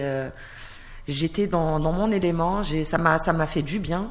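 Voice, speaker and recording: Her pace is very slow. The woman's pitch is fairly low, with ordinary variation. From North Africa. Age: 30s. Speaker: job seeker. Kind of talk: casual chat.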